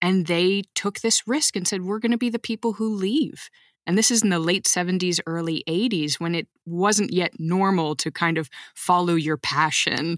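In a very clean recording with a silent background, a woman with an American accent talks at a moderate pace and medium pitch. She has a plain, everyday voice with ordinary pitch variation. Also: dry, close sound with no echo. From US; New Hampshire, then Texas and California. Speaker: interviewee living abroad. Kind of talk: casual interview chat.

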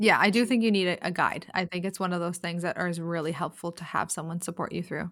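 In a Canadian accent, a woman talks at a very fast pace with hardly any pauses on a very clean recording with a silent background. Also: fairly low pitch for a woman. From Toronto, Canada. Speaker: sex coach. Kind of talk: casual chat, podcast interview. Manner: animated, enthusiastic.

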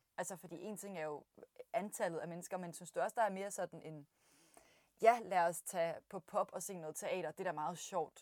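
A woman with a plain, everyday voice speaks at a fairly low pitch with fairly even intonation. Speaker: podcast host. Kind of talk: casual chat.

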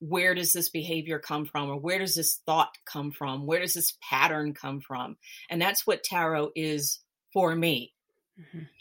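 A woman with a very deep, low pitch and an American accent speaks at a fairly slow pace with fairly even intonation in a very clean recording with a silent background. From US South, Memphis, Tennessee. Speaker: tarot reader and author. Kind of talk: interview conversation.

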